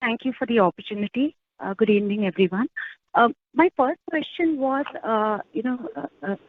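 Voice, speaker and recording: A woman's voice: on the high side, fairly quick. A woman asking questions as a financial analyst, in a hesitant conversational style. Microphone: phone call. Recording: tinny narrowband phone line.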